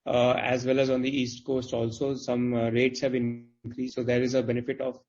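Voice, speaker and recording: A man speaking as a company executive on an earnings call, explaining things in a halting, qualified way over conference audio. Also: medium pitch, monotone, a little mellow. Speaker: company executive answering investors' questions. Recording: dull, band-limited conference call audio.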